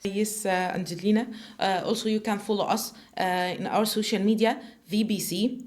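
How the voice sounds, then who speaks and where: A woman's voice: medium pitch, steady tone, moderate pace, darkish tone. A woman, co-hosting a podcast in a studio and speaking hesitantly with many fillers. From Egypt. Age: 20s. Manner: hesitant, many "uh" fillers, asks guests questions. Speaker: podcast co-host. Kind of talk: casual podcast chat. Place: small studio.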